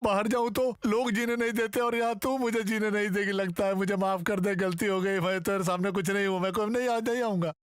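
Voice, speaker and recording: A man dubbing a boastful comic actor who taunts and brags loudly. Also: sits high, fairly even intonation, a little fast, few pauses, clear, resonant tone, no echo, studio quality, close to an everyday voice. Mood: pleading. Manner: bragging, taunting, then wailing for mercy. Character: swaggering, boastful male film actor. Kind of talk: Hindi film dubbing.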